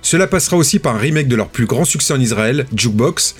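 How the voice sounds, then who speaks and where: A husky male voice narrating a documentary in a measured, storytelling tone, pitched in the middle range. Soft music runs quietly underneath him throughout. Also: lively intonation.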